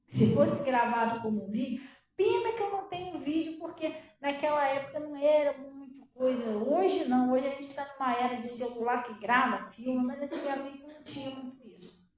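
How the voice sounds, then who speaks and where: A woman pastor with a Brazilian Portuguese accent giving her testimony as a sermon, conversational and animated, often asking the congregation questions. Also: high voice. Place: church hall. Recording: echoey room, voice far from mic.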